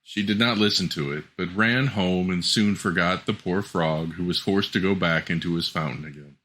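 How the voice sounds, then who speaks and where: A man with a fairly low voice tells a fairy tale. His tone is bright and forward, and his scripted storytelling is measured and expressive.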